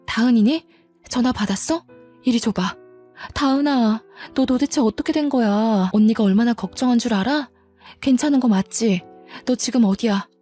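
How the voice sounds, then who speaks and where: A woman's voice: fairly high pitch, normal speed, warm tone, soft background music, natural voice. A woman voicing a fierce, protective older sister-in-law with a blunt, bossy way of talking. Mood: worried.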